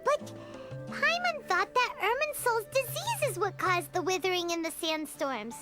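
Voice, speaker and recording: Tiny game fairy: extremely high, squeaky, bouncy intonation, blunt and chirpy, music behind. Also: female voice, unhurried. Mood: worried. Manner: squeaky, expressive, refers to self by name. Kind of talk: cartoonish video game dialogue.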